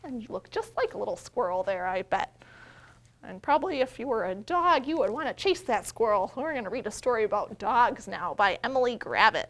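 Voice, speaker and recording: High-voiced woman hosting children's storytime. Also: expressive, fairly quick. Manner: simple explanations, questions and invitations addressed to young children. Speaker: children's librarian, storytime host. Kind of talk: children's storytime read-aloud with talk and action rhymes.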